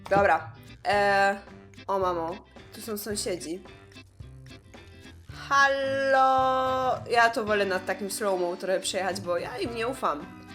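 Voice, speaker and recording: A Polish woman commentating her own gameplay, reacting loudly and yelling at the game characters. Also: mid-range voice, slow pace, pauses often, soft background music. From Poland. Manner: exclaims and shouts at the game. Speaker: gameplay streamer. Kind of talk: excited gaming commentary.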